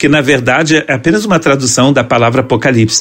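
A man's fairly quick, medium-pitched delivery with ordinary pitch variation, an ordinary speaking voice. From Brazil, Região dos Lagos (Rio de Janeiro state). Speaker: pastor. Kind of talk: sermon.

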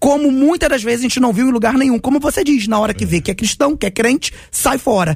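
At a very fast pace, a man talks with extremely high pitch, ordinary pitch variation and very even loudness. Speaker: theater founder.

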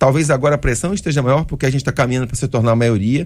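A man talks at a fairly high pitch with ordinary pitch variation. His voice is somewhat breathy. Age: 40s. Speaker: pastor. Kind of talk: radio panel debate. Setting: radio studio.

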